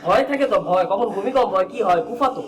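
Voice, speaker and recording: Brief: mocking young man, played by an actor, rapid high-pitched comic delivery. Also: background noise, close to an everyday voice. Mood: defensive. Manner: cheeky, defensive, mocking. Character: cheeky young man denying theft. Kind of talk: TV drama acting.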